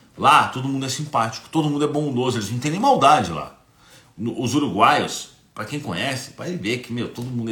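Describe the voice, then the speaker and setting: A man at medium pitch, fairly quick, with audible room echo and noticeable background noise. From Brazil, São Paulo. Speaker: spiritist teacher and YouTuber. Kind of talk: livestreamed lecture. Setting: live stream. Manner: casual, colloquial.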